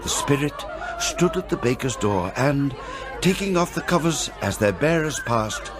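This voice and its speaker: A man's voice: medium pitch, big pitch swings, unhurried, music in the background, a crowd in the background. A man narrating a radio drama as a theatrical storyteller, relishing each descriptive phrase.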